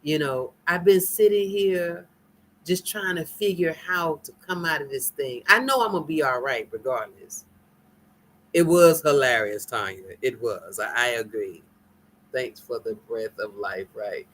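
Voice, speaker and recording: A woman's voice: a bass voice, unhurried. A woman from the United States with an African American accent, chatting casually and teasingly with viewers on a live stream, laughing often. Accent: African American English. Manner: animated, laughing, teasing, folksy. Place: home in Nigeria.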